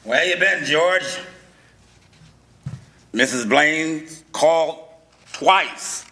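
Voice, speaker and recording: Gruff drunk old-time druggist, slow and slurry, hard sharp edge, stage radio drama. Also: male voice, on the high side, exaggerated voice. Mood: angry, drunk.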